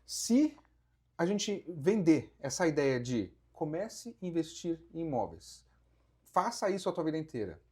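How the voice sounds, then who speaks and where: A man's voice: fairly high pitch, very animated, measured pace, darkish tone, husky. A Brazilian man with a Brazilian Portuguese accent, a podcast guest who explains real estate investing with rhetorical questions. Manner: explanatory, counts through figures, asks rhetorical questions. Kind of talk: casual podcast conversation.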